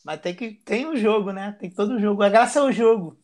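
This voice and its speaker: A man's voice: high-pitched, a little fast, darkish tone. A man, a podcast guest talking in a crude, slangy, boisterous way. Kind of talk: casual chat.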